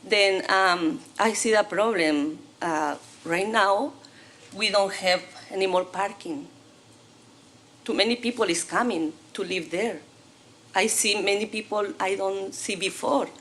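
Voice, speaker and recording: A woman giving public comment in halting English, often searching for words. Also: mid-range voice, fairly bright tone. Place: city council chamber.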